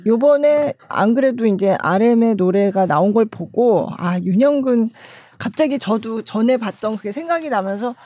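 A woman's voice: fairly high pitch, expressive, moderate pace, few pauses, warm tone, no room sound. A woman co-hosting a casual studio chat, talking chattily and answering often with short "ne, ne" replies. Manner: chatty, many "ne, ne" backchannels.

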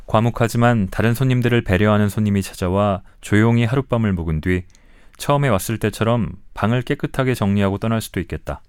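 Guy in his 40s reading his own essays out loud, low smooth voice, slow and thoughtful, dry close sound. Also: dry recording. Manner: slow, measured and reflective. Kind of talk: calm literary reading aloud.

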